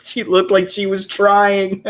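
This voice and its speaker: A man with a slightly high-pitched voice. He talks casually as one of a panel, in a halting way that doubles back on words. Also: completely flat delivery, a bit bright. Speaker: panelist on an entertainment chat show. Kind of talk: casual chat.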